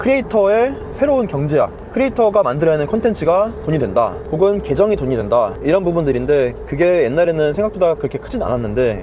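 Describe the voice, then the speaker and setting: Talking at a very fast pace, a man with a fairly high pitch makes very wide pitch swings over noticeable background noise. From South Korea. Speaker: YouTuber and entrepreneur. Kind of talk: vlog monologue. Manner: casual, hesitant.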